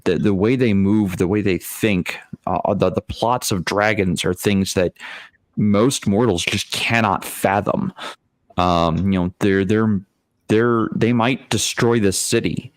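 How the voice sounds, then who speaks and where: A man speaking as a game master in a casual panel discussion, explaining things in a deliberate, wordy way. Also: fairly low pitch, dry recording. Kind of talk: casual panel discussion of role-playing games.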